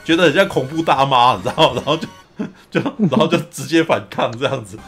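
A man hosting a podcast, recapping a film in a lively, casual storytelling way. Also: mid-range voice, quick pace, faint music behind. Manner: animated storyteller, often acts out quotes. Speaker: podcast host.

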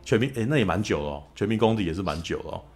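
A man's voice: on the low side, racing, husky, soft background music. A man with a Taiwanese Mandarin accent, a podcast host in casual film chat who tells stories with energy and acts out the lines he quotes. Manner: animated storyteller, acts out quoted lines, frequent "你知道吗" asides.

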